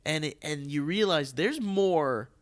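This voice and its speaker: Male podcast host, conversational and animated, with widely swinging intonation and frequent restarts. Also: a little high, measured pace. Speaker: podcast host, theatre producer.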